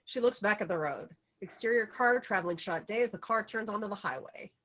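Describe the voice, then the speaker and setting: A woman's voice: medium pitch, brisk, a bit bright. A woman narrating stage directions in an informal script table read.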